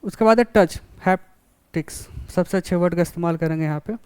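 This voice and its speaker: A man's voice: sits high, brisk, a little mellow, clear, resonant tone, no room sound. A man giving a college lecture, explaining with classroom examples and often checking that students follow.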